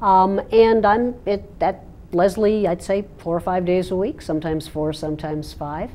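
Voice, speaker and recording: A woman talks at a moderate pace and medium pitch in a plain, everyday voice with ordinary pitch variation. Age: 60s. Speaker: author and communications lecturer. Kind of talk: interview.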